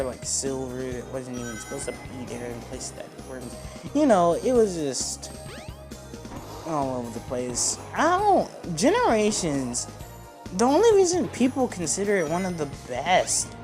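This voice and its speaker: Guy doing a let's play, rambly and opinionated, game music going behind him. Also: medium pitch. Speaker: gaming video host. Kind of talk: casual let's play commentary.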